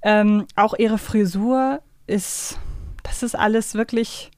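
A woman's voice: mid-range voice, steady tone, slow, darkish tone, no room sound, clean studio sound. A woman co-hosting a podcast in a casual, conversational discussion. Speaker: podcast co-host.

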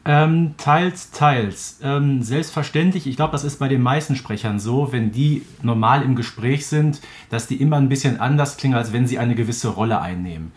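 A man with an average-pitched voice speaks in an informal discussion. He lays out his view in measured, considered sentences. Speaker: interview participant. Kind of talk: casual chat.

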